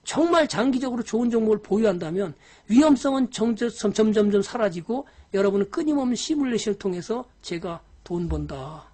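A woman's voice: a little high, expressive, fairly quick, few pauses, dark tone. A woman giving a live-streamed lecture on stock investing. She talks to viewers directly in a scolding, exasperated way, with frequent sighs.

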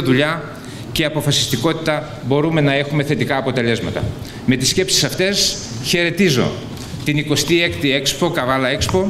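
A man's voice: fairly high pitch, a bit bright. A middle-aged man giving an earnest, formal greeting speech at a podium. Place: large exhibition hall. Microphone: podium microphone. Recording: echoey hall, faint noise.

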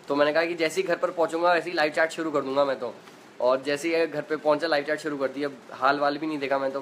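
A man's voice: on the high side, a bit bright, a little hiss or hum, poor audio. Chatty young man on a phone live chat. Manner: chatty, laughs easily, uses filler 'matlab' and 'yaar'. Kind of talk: casual live chat reading viewer comments. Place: at home. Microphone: phone in selfie view.

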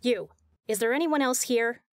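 A woman's voice: on the high side, normal speed, close to an everyday voice. A woman playing a tough, capable spy in an audio drama, flirty yet caring. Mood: brisk, businesslike. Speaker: voice actor in a fan audio drama. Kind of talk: audio drama acting, intimate.

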